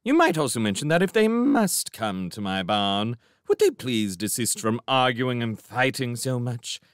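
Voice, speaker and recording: A man's voice: medium pitch, lively intonation, a little slow, dry recording, studio quality, voice pushed up, close to an everyday voice. A man voicing a refined, idle male barn cat in a storybook reading, speaking in a genteel, slightly prim way.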